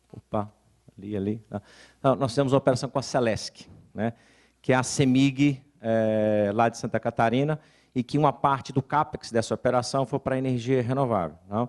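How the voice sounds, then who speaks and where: With fairly even intonation, a man at medium pitch talks at a moderate pace in a dry, close sound with no echo. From Minas Gerais, Brazil (Governador Valadares). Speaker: bank regional superintendent. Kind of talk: conference presentation. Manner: hesitant, many fillers.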